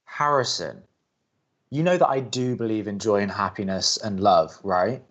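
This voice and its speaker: Low-voiced wry college radio skeptic. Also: male voice, moderate pace, lo-fi sound. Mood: earnest concern. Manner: hesitant, dry, sardonic. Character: Drew, wry reluctant skeptic male college radio co-host. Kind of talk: naturalistic audio drama acting.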